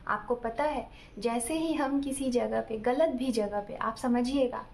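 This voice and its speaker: A woman's voice: fairly high pitch, measured pace, vocal fry, darkish tone, a little hiss or hum. A woman tarot reader giving casual relationship advice, talking straight to her viewers and explaining with everyday examples. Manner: explains with everyday examples, often checks in with "ठीक है"; addresses viewers directly.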